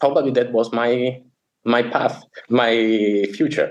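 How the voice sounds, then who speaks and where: With an Italian accent, a man talks at a medium pitch. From southern Italy (Apulia). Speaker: plastic surgeon. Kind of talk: interview. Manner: hesitant, many fillers; lively.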